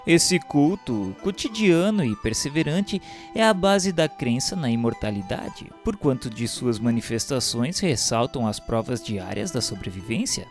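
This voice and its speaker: A Brazilian man giving a solemn, scripted spiritual narration in a formal, measured, declamatory way. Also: medium pitch, very animated. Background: instrumental music.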